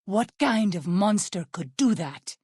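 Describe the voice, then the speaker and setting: An actress voicing a gentle, devout young tribal woman scout in a video game, speaking in measured, formal phrases with earnest solemnity. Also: mid-range voice, expressive, husky, no echo, clean studio sound. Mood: grim, sorrowful. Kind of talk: video game character dialogue.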